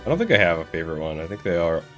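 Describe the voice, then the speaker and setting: A man's voice: low-pitched, big pitch swings, rapid-fire, fairly bright tone. A young man with a Midwestern American accent, chatting casually and rambling with chuckles while he streams a game. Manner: rambling, chuckling, lots of fillers. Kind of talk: casual chat while gaming. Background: game audio and music.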